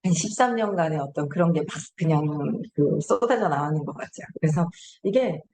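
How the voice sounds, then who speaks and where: A woman's voice: sits low, lively intonation, brisk, darkish tone, echoey room, slight background noise. A middle-aged woman hosting a casual lecture, telling stories in a chatty way and laughing often. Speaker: host.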